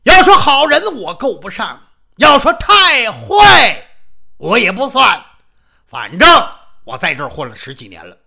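A storyteller voicing a burly, boastful mountain guardian with a loud, hollow, booming voice who declaims and blusters. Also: wildly swooping pitch, a little slow, gravelly, full character voice. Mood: declaiming. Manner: blustering, declaiming, laughs heartily.

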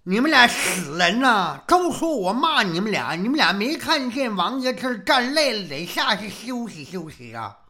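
A man's voice: high voice, sing-song, moderate pace, creaky, bright, forceful tone, full character voice. A man voicing a cowardly, self-pitying old master in a storytelling performance, blustering and complaining repetitively. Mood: scolding.

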